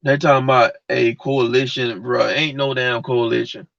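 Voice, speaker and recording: A man's voice: medium pitch, flat delivery, normal speed, creaky, a bit bright, no echo. A man hosting a livestream, giving a blunt, heated, slangy rant straight to his viewers. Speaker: livestream host. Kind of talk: casual slangy rant to live chat. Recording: dull lo-fi mic.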